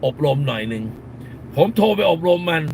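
A man's voice: medium pitch, very animated, moderate pace, a little mellow, a little hiss or hum. A middle-aged man, a lawyer hosting a live stream, talks bluntly in casual commentary and scolds with crude slang, repeating phrases for emphasis.

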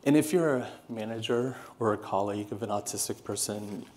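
A man's voice: lowish voice, brisk. A man in his thirties from California with an American accent, giving an earnest, passionate conference keynote to a seated audience. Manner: earnest, animated, passionate delivery. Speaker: keynote speaker. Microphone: podium microphone, moving around the stage.

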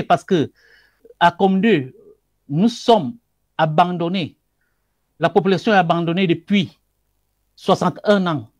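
A middle-aged man, speaking as a guest over a video call with emphatic, halting, repetitive phrasing. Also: high-pitched, a little mellow, no room sound. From Cameroon. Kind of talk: passionate political commentary. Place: indoor room with wood wall. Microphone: earphone headset on video call.

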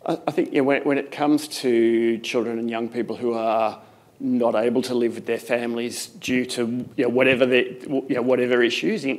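A middle-aged man answering audience questions on a conference panel, often restarting his sentences. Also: medium pitch. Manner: halting, frequent restarts. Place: conference stage with plants.

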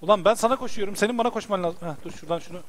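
A young man giving casual, excitable gameplay commentary, swearing and talking to the game as he plays. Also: high voice, rapid-fire. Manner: excitable, swearing, talks to the game and his horse. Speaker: gameplay streamer. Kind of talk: casual let's-play commentary.

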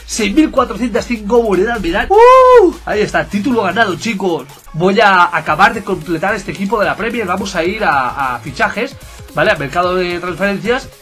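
Young male gaming commentator, hyped and foul-mouthed, fairly high voice, game music underneath. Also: brisk. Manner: excitable, swears, talks to viewers as chicos. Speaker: gameplay commentator. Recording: game music playing loudly behind.

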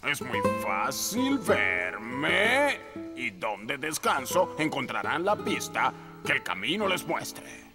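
A man voicing a jolly old elf pirate with a gravelly voice and Latin American Spanish accent, hearty and theatrical, in a children's cartoon. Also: mid-range voice, wildly swooping pitch, takes it slowly. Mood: theatrical, mysterious. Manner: hearty, theatrical, calling others sweet pet names. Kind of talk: animated children's cartoon dialogue. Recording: loud music under the voice.

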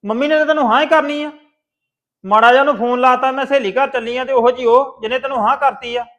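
An actor playing a stern elder brother who scolds his sister loudly. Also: very high-pitched, fast, roomy sound. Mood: angry scolding. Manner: scolding, interrogating, loud. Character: stern angry elder brother, young adult man.

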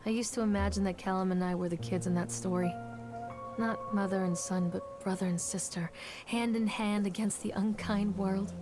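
A slow, worried mother calling through a dark park. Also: medium pitch, fairly even intonation, over music. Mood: wistful. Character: anxious mother searching a dark amusement park. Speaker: game character, mother searching for her son. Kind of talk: voice acting in an English-language horror game.

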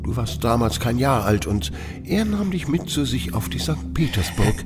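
An actor playing a middle-aged shady crook, nervous and insinuating, with hesitant delivery in a radio drama. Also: male voice, mid-range voice, very animated, moderate pace, music in the background, close to an everyday voice.

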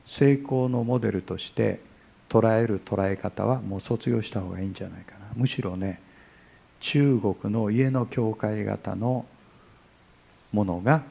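A man in his sixties preaching a sermon as pastor, chatty and humorous, acting out little dialogues and swinging from quiet asides to loud bursts. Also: on the low side, creaky, breathy edge.

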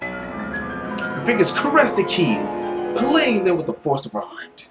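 Young man narrating over loud music. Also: sits high, huge pitch swings, slow. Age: young adult. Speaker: gaming video host. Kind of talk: dramatic read-aloud narration of a visual novel. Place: small room at home, indoors. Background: loud game music.

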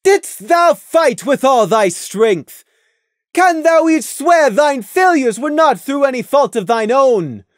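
A stern royal mare who speaks in thee and thou, pitched high and loud, as a reader puts her on. Her speech swings widely in tone, imperious and commanding. The recording is dry and close. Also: lively intonation, takes it slowly, no echo. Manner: archaic formal speech, commanding. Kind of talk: audiobook reading of fan fiction.

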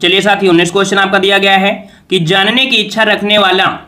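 A man's voice: high voice, fairly even intonation, fast talker, bright, forceful tone. A man teaching an exam revision lesson, quizzing viewers and repeating each answer as a question.

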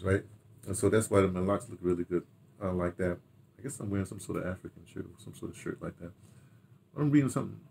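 A man's voice: lowish voice, vocal fry. An older man reminiscing casually to camera, rambling and repeating phrases as he talks half to himself. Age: older, 60s or 70s. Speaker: radio drama director and producer reminiscing. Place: furnished room at home, indoors.

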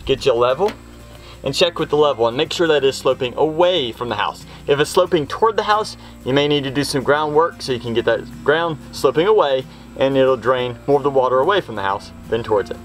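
A middle-aged man hosts a home improvement how-to show, walking the camera through practical steps in a plain-spoken, instructional manner. His voice sits at medium pitch and sounds animated, moving a little fast over soft background music.

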